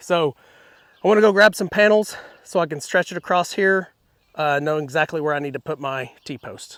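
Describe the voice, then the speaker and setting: A man with an American accent speaks at a moderate pace in a fairly high voice, with ordinary pitch variation and a dry, close sound with no echo. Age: 50s. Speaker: farmer. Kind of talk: casual vlog narration. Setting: outdoors. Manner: casual, conversational.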